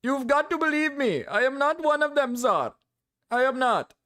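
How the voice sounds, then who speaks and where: A man's voice: very high-pitched, sing-song, moderate pace, sharp tone, pitched above the performer's own voice, full character voice. A man putting on a pleading, mock-earnest man who insists on his innocence in a whiny, insistent way.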